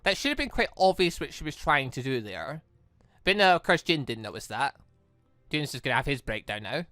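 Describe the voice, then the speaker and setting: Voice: medium pitch, very animated, brisk, pushed and bright, no echo, faint music behind. A gaming video host giving casual, rambling commentary, thinking aloud while playing.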